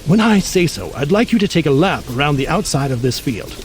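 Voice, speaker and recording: A man's voice: fairly high pitch, sing-song, brisk, very noisy. A man playing an erudite, genial mutant scientist in an audio drama, speaking in a florid, pompous, theatrical manner with bookish words. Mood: excited. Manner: florid, pompous, bookish vocabulary with emphatic delivery. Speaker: scientist guide.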